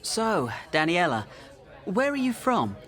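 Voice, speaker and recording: A man voicing an adult man who asks slow, clear questions with a falling tone at the end. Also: high voice, huge pitch swings, a bit bright, a faint crowd, voice pushed up, exaggerated voice. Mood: friendly. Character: adult man named Jake, friendly questioner.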